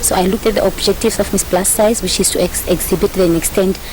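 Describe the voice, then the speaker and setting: A woman speaks as a pageant contestant, poised and articulate. Clear outdoor noise runs beneath her. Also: medium pitch, fairly even intonation, fast. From South Africa.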